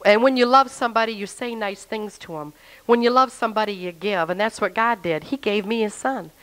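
A middle-aged woman gives her personal testimony with real fervor. Her voice stays at an ordinary middle pitch. She talks emotionally and acts out the prayers and words of the people in her story. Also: a little fast, a bit bright, low-quality recording. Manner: fervent, emotional, quotes her own prayers aloud. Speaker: testimony speaker.

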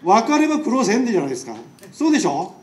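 A man with a Nagasaki accent lectures in a high voice, talking in a chatty way and throwing questions at his listeners. He is picked up from a distance in an echoing hall. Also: sing-song, racing, a little mellow. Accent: Nagasaki dialect. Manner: chatty, rhetorical questions to the audience. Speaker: lecturing doctor. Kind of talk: public lecture. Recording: echoey hall, mic far off.

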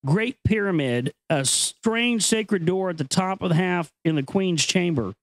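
Guy with a pretty high voice, dry close sound, host doing dramatic reading and casual earnest commentary. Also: lively intonation, a little slow, no room sound, poor audio.

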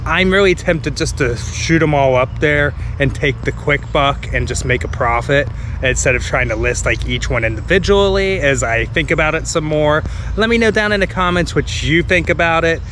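A young man with a Midwestern American accent, casually vlogging at garage sales and thinking out loud about prices, recorded outdoors on an action camera. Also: on the high side, normal speed, slight background noise. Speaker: reseller vlogger. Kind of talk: casual vlog commentary.

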